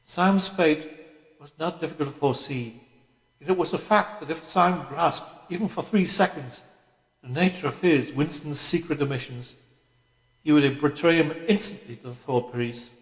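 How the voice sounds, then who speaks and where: A man's voice: a little high, moderate pace. Man narrating a novel in an echoey room. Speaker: audiobook reader. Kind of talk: scripted literary narration. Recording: echoey room with long reverb.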